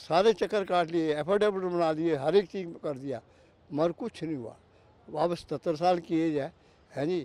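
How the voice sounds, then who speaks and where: A man speaks at a moderate pace in a high-pitched voice with a dark, mellow tone and ordinary pitch variation. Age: 70s. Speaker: voter interviewed on the street. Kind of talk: street interview.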